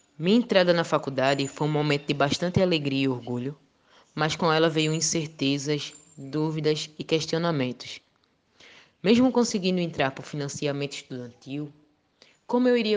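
Speaking at a moderate pace, a woman with a very deep, low pitch uses lively intonation. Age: 20s. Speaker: pedagogy student and candomblé initiate. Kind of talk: personal testimony.

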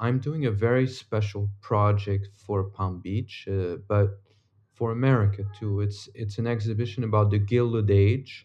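Against a quiet background, a man with a French accent speaks fairly slowly in a fairly low pitch, his tone dark, mellow and somewhat breathy, with fairly even intonation. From Belgium. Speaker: portrait painter. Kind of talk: interview.

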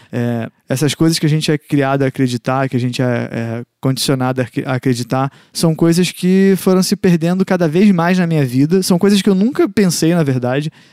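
Dark and mellow in tone, this man's voice sits at a fairly high pitch with very even loudness. The sound is dry and close, with no echo. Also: ordinary pitch variation, moderate pace, hardly any pauses. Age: 30s. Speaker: podcaster. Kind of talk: casual monologue.

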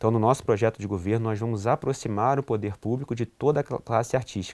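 A man at a medium pitch and a very fast pace, ordinary pitch variation, a dry, close sound with no echo, and a very clean recording with a silent background. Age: 30s. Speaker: mayoral candidate and physician. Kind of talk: political interview.

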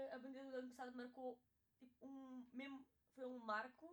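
A woman speaks at a fairly quick pace in a Lisbon accent. Her pitch is high. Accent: European Portuguese (Lisbon area). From Portugal, Moita. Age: 20s. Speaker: podcast co-host. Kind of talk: casual chat.

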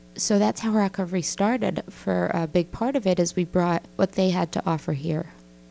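A woman speaks at a fairly quick pace with hardly any pauses, a dark, mellow tone, vocal fry and lively intonation. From Staten Island, New York. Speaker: recovery fitness program co-founder. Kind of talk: interview.

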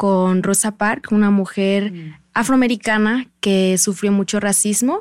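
A woman with a Mexican accent speaks at a medium pitch with fairly even intonation on a very clean recording with a silent background. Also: fairly slow pace, hardly any pauses. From Mexico. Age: 20s. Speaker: student activist. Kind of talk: casual interview.

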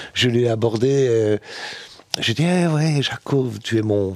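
At a very slow pace, a man speaks with a medium pitch. His pitch varies in an ordinary way. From Belgium, Charleroi, Greek parents. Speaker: jazz bassist. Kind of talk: interview. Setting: streaming studio.

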